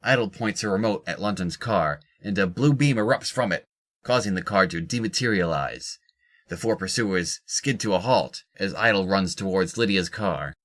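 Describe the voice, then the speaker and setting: A man's voice: low-pitched, lively intonation, normal speed, fairly bright tone. A man reading scripted narration for an audio drama.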